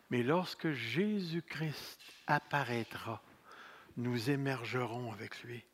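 A man in his sixties with a Québécois accent, preaching a sermon as pastor. He speaks deliberately, repeats key phrases and jokes about himself. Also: medium pitch, fairly bright tone. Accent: Québécois French. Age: 60s. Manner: slow, deliberate preaching with repeated phrases and self-mocking humor.

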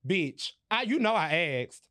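A man hosting a podcast, telling a story in casual chat, animated and profane, laughing as he goes. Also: high-pitched, unhurried. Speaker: podcast host.

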